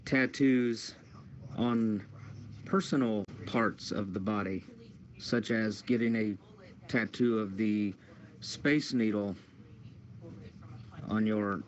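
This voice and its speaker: A man's voice: fairly low pitch, fairly even intonation, takes it slowly, long pauses. A man chatting casually as a participant on a talk show. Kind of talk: casual chat. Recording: muffled lo-fi radio-app audio, noisy background.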